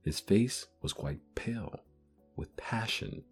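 A man narrating a storybook in a gentle, measured way. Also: lowish voice, animated, gravelly, slightly rough, faint music behind. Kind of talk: storybook reading.

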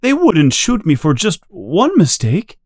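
A man reading a story, voicing a frightened prisoner who pleads in a high, fast voice. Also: very animated, a little mellow, no echo, clean studio sound, exaggerated voice. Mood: pleading. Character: frightened middle-aged male prisoner, desperate and babbling.

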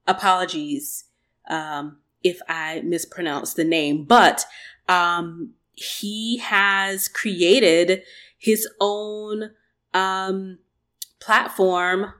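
A woman's voice: lowish voice, steady tone, drawn-out words, fairly bright tone. Chatty woman co-hosting a tech podcast. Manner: chatty, polite, laughs easily. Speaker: podcast co-host. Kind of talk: casual tech news chat.

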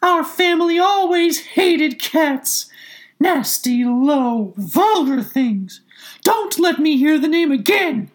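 A woman voicing a small, frightened, indignant storybook mouse in a shrill, trembling voice with drawn-out, passionate delivery. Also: lively intonation. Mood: offended, trembling.

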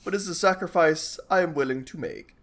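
A man's voice: fairly high pitch, animated, a bit bright, slight background noise. A man doing a pompous tiny lord. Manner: slow, grand speechmaking.

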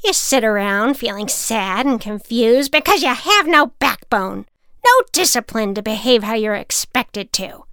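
A sharp-tongued old woman sneers and lectures, voiced by a woman reading a storybook. The tone is bright and cutting, very clear. It sounds dry and close. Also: a little high, animated, unhurried, no room sound. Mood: scornful. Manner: scornful, snappish, lecturing. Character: harsh scolding old woman, the Shears.

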